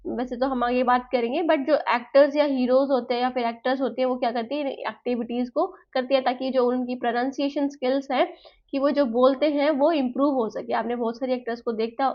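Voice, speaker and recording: A woman teaching a lesson to teacher-training students, explaining step by step in Hindi mixed with English terms. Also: high voice. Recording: slightly dull, lo-fi sound.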